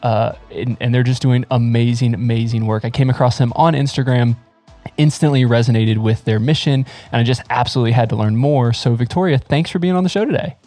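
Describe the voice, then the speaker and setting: Man, mid-pitched, podcast host, friendly upbeat intro, faint music behind. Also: fairly quick, mellow, no echo. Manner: friendly, upbeat, with some "uh" fillers. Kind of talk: podcast intro and casual interview.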